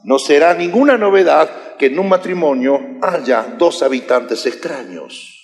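Lively preacher man in an echoey hall. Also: fairly high pitch, unhurried. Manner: animated, joking with the congregation. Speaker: pastor. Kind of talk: sermon.

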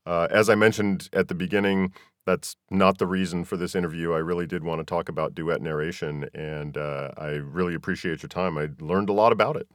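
A man's voice: low-pitched, fairly even intonation, fairly quick, no room sound, clean studio sound. A man hosting a podcast in a conversational interview style. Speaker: podcast host.

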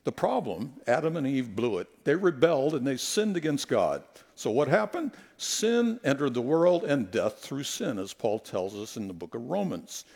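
A middle-aged man delivers a sermon in a church sanctuary, speaking through a headset mic. His voice has a gravelly edge, and his pitch swings widely as he tells stories and acts out quotes. He moves between humorous anecdotes and scripture. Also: moderate pace. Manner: animated, storytelling, acts out quotes. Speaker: guest preacher.

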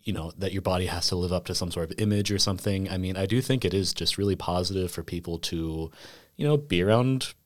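A man's voice: deep voice, quick pace. A young man who went to school in Iceland, chatting reflectively on a podcast with many "you know" fillers. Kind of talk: casual conversation.

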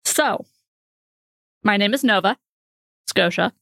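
A woman's voice: mid-range voice, slow pace, vocal fry, fairly bright tone, dry recording, clean studio sound. A woman casually describing her character in a tabletop game, chatty with frequent fillers and laughs. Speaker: player.

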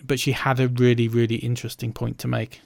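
A man with a gravelly, creaky voice, speaking in a chatty and reflective way. He works in learning and development and often falls back on "you know". The recording is dry and close. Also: medium pitch, completely flat delivery, fast, a little mellow, no room sound. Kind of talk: casual conversational chat.

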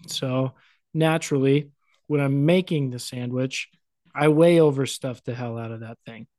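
A man's voice: medium pitch, a little slow, a little mellow, dry recording, clean studio sound. A man co-hosting a podcast in casual chat, joking and laughing often. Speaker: podcast co-host.

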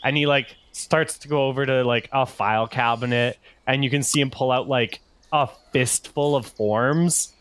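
A man's voice: mid-range voice, steady tone, moderate pace, hardly any pauses, a bit bright, dry recording. A man narrating as game master, rambling with many fillers.

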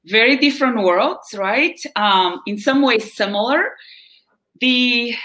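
A woman's voice: on the high side, slow pace, pushed and bright, rough recording. A woman in her forties from Bulgaria with a Bulgarian accent, a wellness coach chatting as a podcast guest, laughing often and tagging lines with "right?". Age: 40s. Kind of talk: conversational interview.

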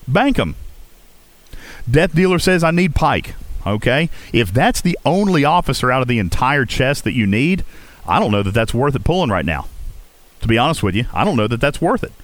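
Male stream host from Virginia, talkative, reads chat aloud, lively pitch, close dry sound. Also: dry recording. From Virginia, USA. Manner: talkative, reads and answers viewer chat, keeps asking "okay?". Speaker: livestream host. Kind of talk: casual gaming livestream chat.

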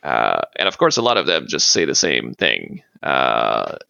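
Very deep gravelly man with a French first language. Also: huge pitch swings, normal speed, sharp tone, dull audio. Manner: hesitant, many fillers and restarts. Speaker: guest, martial arts practitioner. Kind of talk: casual interview talk.

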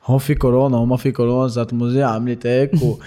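A man's voice: medium pitch, little pitch movement, racing, warm tone. A man with a Lebanese Arabic accent chatting casually, telling anecdotes and throwing in rhetorical questions.

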